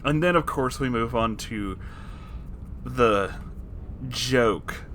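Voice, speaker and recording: A man reading a story aloud as host and reacting to it, with an expressive, exasperated and sarcastic manner. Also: medium pitch, slow pace, a little hiss or hum. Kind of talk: story narration with reaction commentary.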